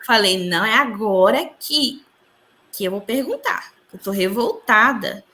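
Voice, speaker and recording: A young woman earnestly recounting a personal spiritual experience in an interview, often dropping to quiet tones. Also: medium pitch, big pitch swings, measured pace. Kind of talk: emotional personal testimony.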